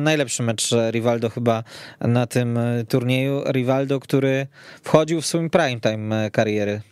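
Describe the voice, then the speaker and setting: A man hosting a football discussion in a studio, talking in a measured, explanatory way. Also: mid-range voice, a little mellow, clean tone, no room sound. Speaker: podcast host. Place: radio studio.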